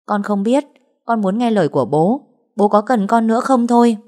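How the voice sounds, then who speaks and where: A woman's voice: animated, normal speed, mellow, natural voice. A woman voicing a furious pregnant young woman who screams hateful accusations. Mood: pleading. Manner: shrill screaming rant.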